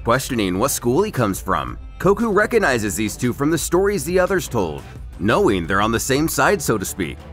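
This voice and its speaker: A man reads a scripted story recap like a storyteller. His pitch is medium and moves around in a lively way. Faint music plays underneath. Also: normal speed. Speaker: YouTube narrator and host.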